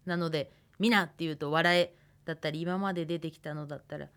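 A woman, teaching a radio language lesson patiently and pausing to think aloud. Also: low-pitched, fairly even intonation, a bit bright, clear, resonant tone. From Hokkaido, Japan. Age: 20s. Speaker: language instructor.

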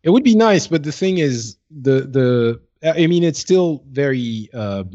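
Mid-pitched man, slightly dull lo-fi sound. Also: expressive, a little slow, dark tone. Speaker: podcast co-host. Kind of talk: casual gaming discussion.

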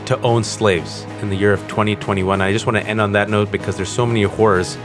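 Earnest, animated man in his forties. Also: lowish voice, fast, over music. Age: 40s. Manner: earnest, animated, self-mocking storytelling. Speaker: interview guest. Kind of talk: candid conversation.

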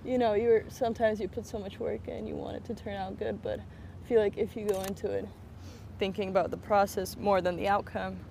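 A young woman from Spain chats as she strolls across a campus, full of fillers and restarts. Her pitch sits in the middle range. Light traffic hum drifts behind her. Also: little pitch movement, fairly quick, vocal fry, darkish tone. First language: Russian. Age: young adult. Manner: chatty, many "like" fillers and restarts. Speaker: guest photographer and director. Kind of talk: casual walking interview. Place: outdoors on a college campus near traffic. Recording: outdoor street noise behind the voice.

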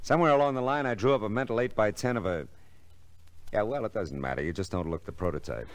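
A man's voice: fairly low pitch, fast, no echo, close to an everyday voice. An actor playing a weary, sardonic private detective in a vintage radio drama, with wry, clipped tough-guy delivery. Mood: dry, sardonic. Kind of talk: 1940s-50s radio detective drama acting, first-person narration. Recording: vintage radio recording with music.

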